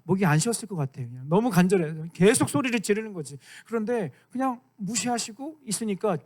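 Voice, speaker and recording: High-voiced man preaching to teenagers. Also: brisk. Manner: animated, keeps asking the room for agreement; acts out quoted lines in dramatic voices. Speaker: youth pastor. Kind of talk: sermon to high school students.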